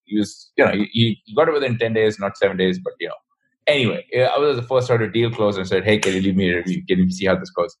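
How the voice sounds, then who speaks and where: A man's voice: lowish voice, slight background noise, poor audio. A man with a South Asian English accent, a business founder telling stories in a casual interview, rambling and restarting. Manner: fast, rambling, frequent restarts. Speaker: guest, ecommerce founder.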